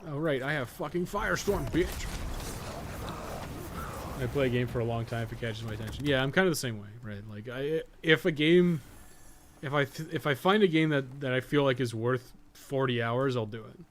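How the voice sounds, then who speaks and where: A man's voice: medium pitch, moderate pace, slight background noise. A man chatting casually as he livestreams a game, rambling, rephrasing his points and swearing casually. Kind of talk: casual chat while playing, answering viewers.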